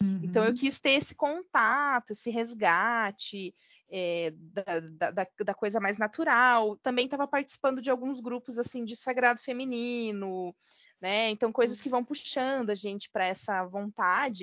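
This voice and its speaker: With an ordinary speaking voice, a woman talks at a fairly slow pace, her fairly high pitch showing ordinary variation. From Brazil, Curitiba. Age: 30s. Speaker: mother telling birth story. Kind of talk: testimony.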